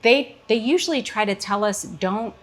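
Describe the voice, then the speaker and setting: A woman's voice: mid-range voice, moderate pace, fairly bright tone. A middle-aged woman from Chicago with a Chicago accent, hosting a casual, joking chat as a comedian. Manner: joking, playful banter. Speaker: comedian host.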